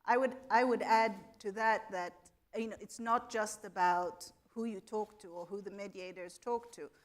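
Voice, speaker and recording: A woman speaking as a panelist at a conference, setting out her points one by one with a measured delivery. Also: mid-range voice, fairly even intonation. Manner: measured, lays out points in order. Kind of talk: panel discussion. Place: conference hall.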